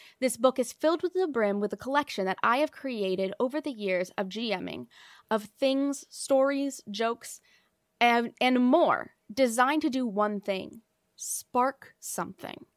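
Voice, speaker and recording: Recorded very cleanly over a silent background, dry and close with no echo, a woman speaks fairly slowly in a high pitch with lively intonation. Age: 20s. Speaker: tabletop game writer. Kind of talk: casual chat.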